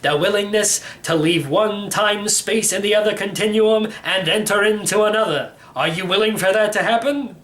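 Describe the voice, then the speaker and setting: A man's voice: high-pitched, normal speed, few pauses, fairly bright tone. A man voicing an elderly, slightly crazy uncle in a storybook, rambling and teasing with theatrical emphasis. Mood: excited, urging. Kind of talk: acted storybook reading.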